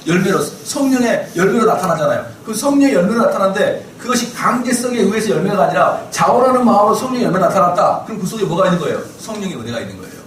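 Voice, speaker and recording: A middle-aged pastor rattles through a Bible class lecture in a high voice, rapid-fire with few pauses, animatedly impersonating the people he describes and pressing his audience with rhetorical questions. The mic sits far off in an echoey church lecture hall, leaving faint hiss.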